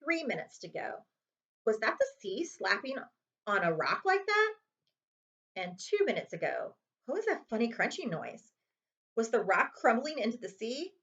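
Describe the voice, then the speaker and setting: Lady reading a kids chapter book out loud, really lively up and down voice, bit muffled lo-fi. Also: a little high, normal speed. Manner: expressive storytelling with character voices. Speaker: librarian reading aloud. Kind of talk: children's chapter book read-aloud.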